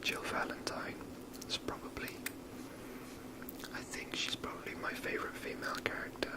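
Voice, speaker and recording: A person whispering rambling, unhurried ASMR commentary while playing a video game. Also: low-quality recording. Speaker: game streamer.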